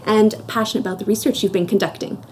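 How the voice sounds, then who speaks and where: A woman hosting a casual interview podcast, bubbly and excited, with many short backchannel sounds. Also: medium pitch, fast talker, slight background noise. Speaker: podcast host.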